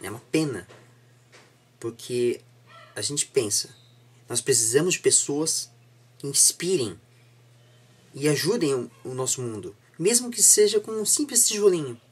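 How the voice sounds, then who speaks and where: A young man with a Brazilian accent and a slightly husky voice, chatting reflectively as an interviewer, repeating and rephrasing himself earnestly. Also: on the high side, animated, a little slow, pauses often. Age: young adult. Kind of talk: casual reflective interview chat. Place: small home room indoors, seated on a sofa.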